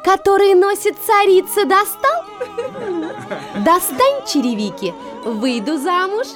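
Very high teasing village beauty. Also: female voice, expressive, slow pace, full character voice. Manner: playful, taunting, singsong. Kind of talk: theatrical audio drama acting. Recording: music behind the voice.

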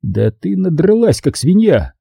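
A man reading an audiobook, voicing a wry male bookseller with slow deadpan replies. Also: high-pitched, vocal fry, slightly rough, no echo, clean studio sound, pitched above the performer's own voice, heavily acted.

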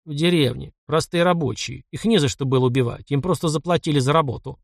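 A man's voice: fairly high pitch, quick pace, creaky, no echo, studio quality. A man voicing a captured foreign baron, a wary middle-aged man who answers reluctantly. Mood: grudging.

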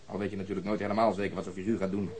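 A man's voice: low-pitched, level tone, rapid-fire, a little mellow, lightly acted. A man playing a callous, streetwise police detective in a radio play, talking in a coarse, slangy and cocksure way. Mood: scornful. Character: blunt, hard-boiled, callous streetwise male police detective.

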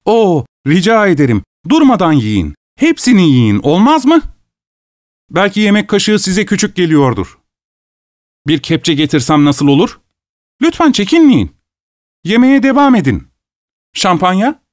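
A man's voice: on the high side, moderate pace, a little mellow, clean tone, no room sound, studio quality, pitched above the performer's own voice, close to an everyday voice. A man voicing a wealthy male host who forces cheerful politeness while fury builds, his manner strained and overly courteous. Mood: frantic. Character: rich host forcing cheer through rising fury, male.

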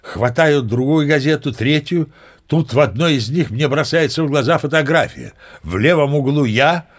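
A man's voice: on the high side, lively intonation, normal speed. An actor playing a boastful old sea captain who tells tall tales expressively in an audio play, savoring his words. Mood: flustered, dismayed. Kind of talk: theatrical storytelling in an audio play.

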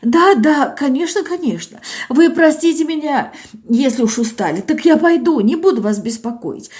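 A woman's voice: high voice, animated, moderate pace, a little mellow, pitched above the performer's own voice. A woman voicing a tearful older village woman who talks in a sing-song, folksy way and sobs as she speaks.

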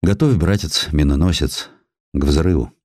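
A man's voice: rumbling low, a little slow, darkish tone, no echo, studio quality. A man playing a proud, defiant Russian destroyer commander, firm and formal, in an audiobook. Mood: grim resolve.

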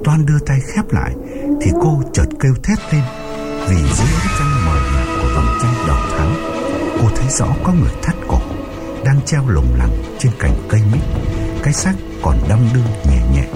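A man's voice: mid-range voice, wildly swooping pitch, normal speed. A man narrating a ghost story in a suspenseful, dramatic audiobook style, over background music.

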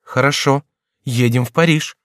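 A man voicing a lively young noblewoman who worries for her husband, with high excitable exclamations, in a dry audiobook reading. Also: normal speed, no echo, lightly acted. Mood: anxious.

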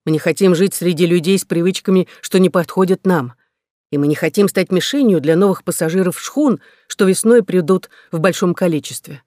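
A man's voice: high voice, a little fast, darkish tone, no echo, studio quality, close to an everyday voice. A man voicing a determined young woman settler, speaking earnestly and persuasively.

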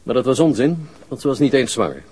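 An actor playing a frank, authoritative hospital doctor in a radio drama, formal, matter-of-fact and emphatic, with a husky voice. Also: male voice, mid-range voice, big pitch swings, quick pace, mellow, no room sound. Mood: frank, grave.

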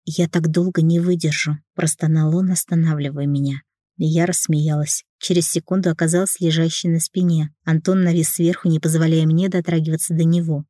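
A man reading an intimate first-person romance audiobook in a measured way. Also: fairly high pitch, little pitch movement, mellow, no room sound, clean studio sound. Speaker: audiobook narrator.

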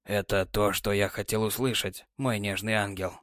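Brief: gruff, sighing old sea captain, read by a male narrator, low and quiet. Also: moderate pace, no echo, clean studio sound, close to an everyday voice. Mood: weary. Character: weary, gruff older sea captain, tender husband. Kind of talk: audiobook character voice.

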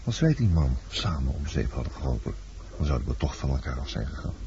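An actor in a Dutch radio play playing a world-weary, blunt lover and sailor, terse and fatalistic. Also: male voice, rumbling low, very animated, fast talker, dark tone, full character voice. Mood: brooding, curt. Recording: dull, noisy old radio drama recording.

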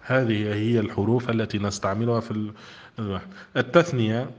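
A man's voice: lowish voice, steady tone, brisk. A man teaching an Arabic grammar lesson. He reads a classic text aloud, then explains it with repeated questions to his students.

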